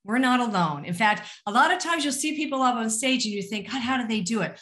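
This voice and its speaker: A woman's voice: on the high side, lively intonation, fast talker, a bit bright. A middle-aged woman presenting an online webinar as a career coach, conversational and encouraging, speaking directly to her listeners. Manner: encouraging, addresses listeners directly with rhetorical questions. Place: small indoor room, online webinar. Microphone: video call.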